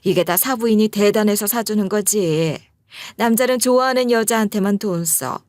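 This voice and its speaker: A woman voicing a brash, outspoken older mother-in-law who talks loudly and shrilly. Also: medium pitch, normal speed, no echo, studio quality, natural voice. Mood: fawning. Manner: shrieking and loud, then fawning.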